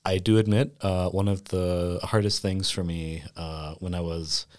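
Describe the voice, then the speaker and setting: A young man who went to school in Iceland chats reflectively on a podcast, using lots of "you know" fillers in casual conversation. His voice is low-pitched with a steady tone, and he speaks at a measured pace.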